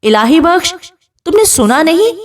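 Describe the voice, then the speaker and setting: A woman's voice: sits high, expressive, recorded from a distance. A woman reading the part of a cruel young husband who barks orders and threatens in rage, heard from a little way off the mic. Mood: enraged. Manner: commanding, threatening.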